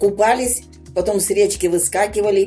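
The voice shows ordinary pitch variation, with faint music in the background. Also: woman. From Kazakhstan. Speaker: grandmother. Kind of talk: casual chat. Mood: calm, reminiscing. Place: home room.

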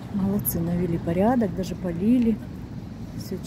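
Noticeable background noise sits behind a woman's voice. Her intonation is fairly even. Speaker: walking vlogger. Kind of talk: casual vlog chat. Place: street. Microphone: phone near.

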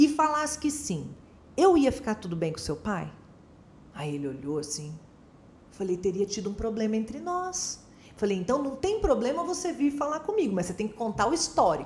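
A woman talks at a moderate pace with very wide pitch swings. Long pauses come often. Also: fairly high pitch for a woman. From Paraná, southern Brazil (Maringá); Paraná, Brazil. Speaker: educator, educational psychologist; guest. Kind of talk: casual chat. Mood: warm, animated, smiling. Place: studio. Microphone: studio mic.

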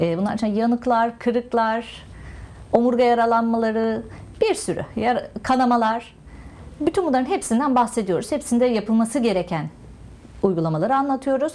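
A woman speaks in a dark, mellow tone at a fairly high pitch. Her loudness stays very even while her pitch varies in an ordinary way. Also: moderate pace. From Istanbul, Turkey; Turkey. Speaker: first aid instructor. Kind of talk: interview. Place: studio.

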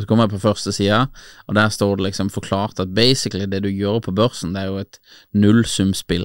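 A man talks at a fairly quick pace in a fairly low, monotone, flat voice. The background is quiet and the sound is dry with no echo. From Norway. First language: Norwegian (speaking Swedish). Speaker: podcast host. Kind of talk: casual interview. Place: studio. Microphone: studio mic.

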